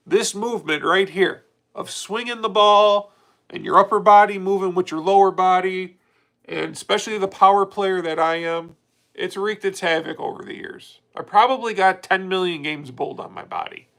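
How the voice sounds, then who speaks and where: A man's voice: sits high, moderate pace, creaky, a bit bright. A man in his late thirties hosting a casual livestream, talking candidly and rambling with frequent restarts as he answers viewer comments. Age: 30s. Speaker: livestream host.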